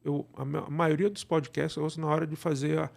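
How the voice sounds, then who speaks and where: Speaking fairly quickly with vocal fry and flat delivery, this man has a somewhat high voice and a Brazilian Portuguese accent. He's a radio drama creator appearing as an interview guest, digressing casually as he gives advice and frequently using tags to check for agreement.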